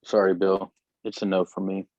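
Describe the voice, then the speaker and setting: Man acting a flat, reluctant miner, muffled. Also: low voice, moderate pace, no echo, natural voice. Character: reluctant, fearful coal miner. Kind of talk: dramatic script table read. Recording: dull, muffled sound.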